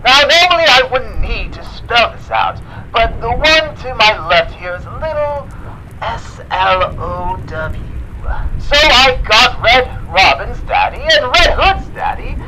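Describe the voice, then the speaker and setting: Shrill, gleeful mad clown villain. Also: male voice, sing-song, measured pace, pushed and bright, exaggerated voice, poor audio. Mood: gleeful taunting. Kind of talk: audio drama acting.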